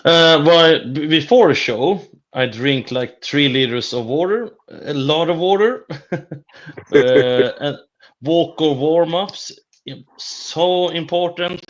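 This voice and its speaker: A man's voice: on the high side, takes it slowly, lo-fi sound. A man, a band singer chatting casually and jokingly in an interview.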